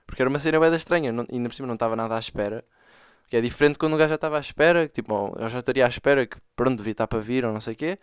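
A young man from Portugal with a European Portuguese accent chats on his own podcast, slangy and joking as he tells stories. He talks quickly in a smooth, clear voice. The recording is dry and close. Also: on the high side, dry recording. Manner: slangy, joking, excitable storytelling. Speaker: podcast host. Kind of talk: casual solo podcast monologue.

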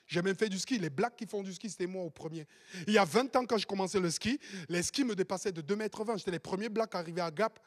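Man, 40s, pastor's sermon, high voice, emphatic repeated exhortations. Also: fast talker. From Cameroon. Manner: emphatic, repetitive exhortations, bursts into shouting.

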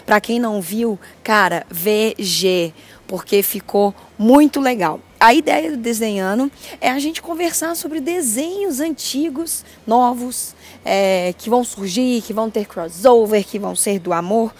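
A Brazilian woman hosting a podcast in a casual, chatty way, with a grating, cracked voice and a loud, exuberant, slangy manner. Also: fairly high pitch, a little slow. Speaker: podcast host.

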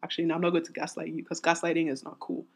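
A woman in her twenties hosting a solo podcast, talking in a candid, rambling way with many restarts, her voice raspy and strained from singing. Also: sits low, flat delivery, rapid-fire. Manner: rambling, self-interrupting, candid. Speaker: podcast host.

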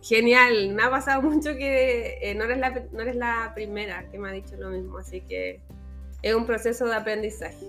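A Chilean woman speaks as the host of an interview podcast. Her voice sits a little high. She keeps the exchange casual and conversational, and faint music can be heard along with her. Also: fairly even intonation, normal speed, a bit bright.

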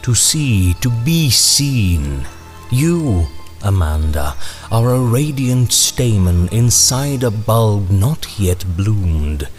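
An actor playing a menacing, eloquent ringmaster in an audio drama, speaking in deliberate, theatrical, archaic phrases. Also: male voice, fairly low pitch, big pitch swings, faint music behind, heavily acted. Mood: predatory, insinuating.

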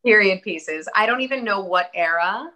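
A bright, clear-toned woman in her early thirties chats as an interview guest, upbeat and earnest. Spanish is her first language though she grew up in the US. She hedges with "um" and "I think" while staying hopeful. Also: medium pitch, lively intonation, moderate pace. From born in Atlanta, Georgia, US. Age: early 30s. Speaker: actress, guest. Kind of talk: casual interview conversation.

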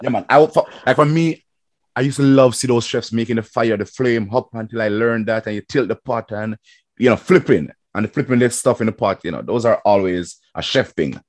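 A man's voice: medium pitch, brisk, darkish tone, no room sound, clean studio sound. A man hosting a casual, conversational interview as a fellow chef, agreeable and often affirming what he hears. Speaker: podcast host, chef.

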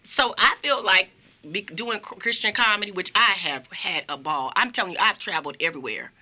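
A woman with a raspy voice, a Christian comedian telling church stories in casual chat. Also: mid-range voice, fairly quick. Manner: animated, breaks into laughter, mimics preachers.

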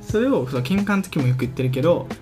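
A man's voice: fairly high pitch, lively intonation, fast talker, music in the background. A young man with a Kansai accent co-hosting a casual chat podcast, laughing often and asking probing questions. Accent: Kansai Japanese. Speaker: podcast co-host.

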